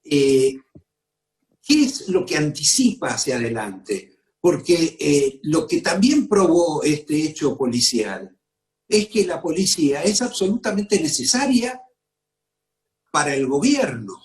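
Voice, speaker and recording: A man with a Rioplatense accent hosting a TV political interview, interjecting with measured questions. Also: fairly high pitch, sing-song, darkish tone, reverberant. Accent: Rioplatense Spanish. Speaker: TV interview host.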